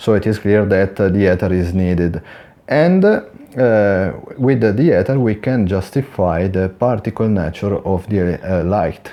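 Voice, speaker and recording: A man speaks with ordinary pitch variation and very even loudness. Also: fairly low pitch for a man, fairly slow pace. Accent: non-native. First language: not English. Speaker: flat-earth video maker. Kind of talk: casual lecture. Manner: halting, many fillers.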